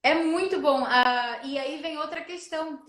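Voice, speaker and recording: A woman hosting a casual live chat, talking in an animated way and acting out dialogue as she explains. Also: sits high, unhurried. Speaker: host. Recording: roomy echo.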